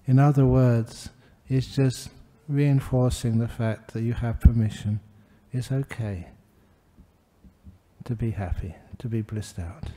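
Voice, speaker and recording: Gentle older monk with a very dark voice. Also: male voice, mid-range voice, fairly even intonation. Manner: gentle, humorous, unhurried. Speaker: Buddhist monk giving a dharma talk. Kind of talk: relaxed dharma talk with anecdotes.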